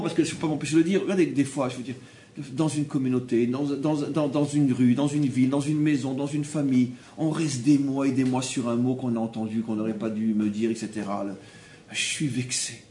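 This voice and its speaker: Animated religious teacher, roomy sound. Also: male voice, mid-range voice, a little hiss or hum. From France. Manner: animated, repeats phrases, acts out quoted people. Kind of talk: Torah class lecture. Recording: roomy room with faint background ambience.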